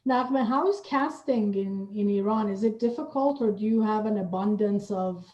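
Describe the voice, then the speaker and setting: Female moderator, mid-pitched and dark-toned, measured phrasing, roomy and slightly dull recording. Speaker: host and moderator, theater company representative. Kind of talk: moderated panel conversation. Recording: roomy, muffled online-call audio.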